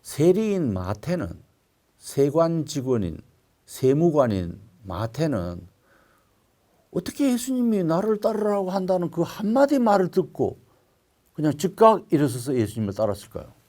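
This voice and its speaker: An older male pastor preaching a sermon, telling stories with sudden loud, emphatic swells. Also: fairly high pitch, sing-song, normal speed.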